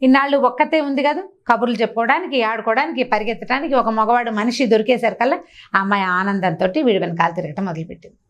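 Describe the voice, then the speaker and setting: A woman tells an old folk tale at a rapid clip, her voice sitting fairly high. She narrates briskly and lively, slipping into each character's lines. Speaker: storyteller. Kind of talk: oral folk-tale storytelling.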